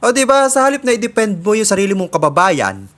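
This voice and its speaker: A man from the Philippines delivers opinion commentary in a measured, deliberate way. His voice sits a little high, and he often pauses on filler sounds between thoughts. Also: big pitch swings, fairly bright tone. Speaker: commentary host.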